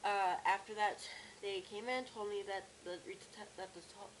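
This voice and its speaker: A young woman with a cracky, strained voice and sore throat, talking casually and haltingly in a personal video diary. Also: medium pitch, fairly even intonation, poor audio. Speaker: vlogger. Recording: clear background noise, room ambience.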